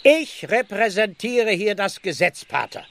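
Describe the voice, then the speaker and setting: An officious village policeman in a radio play. His voice is highish and gravelly, swinging expressively as he blusters, impatient and exasperated. There is slight noise behind him. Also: expressive, unhurried, a bit bright, heavily acted. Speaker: actor playing a village policeman. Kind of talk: German radio play acting.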